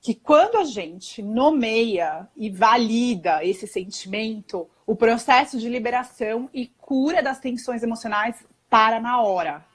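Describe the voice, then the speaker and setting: Chatty Brazilian woman, bright higher voice. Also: lively intonation. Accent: Brazilian Portuguese. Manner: chatty, peppered with tag questions and quick self-corrections. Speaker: parenting guest on a live stream. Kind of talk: casual explanatory chat.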